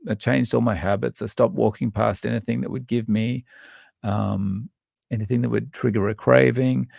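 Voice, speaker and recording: A man with an Australian accent, a guest in a casual interview, talking in a halting, thoughtful way with frequent restarts and fillers. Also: on the low side, vocal fry, darkish tone, no room sound, clean studio sound.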